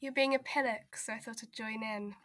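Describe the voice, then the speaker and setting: A woman's voice: fairly high pitch, steady tone, a little fast, a bit bright, no room sound, studio quality, natural voice. A woman playing an exasperated but caring investigator in an audio drama, blunt yet hesitant when earnest. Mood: prickly, teasing. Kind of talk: audio drama table read.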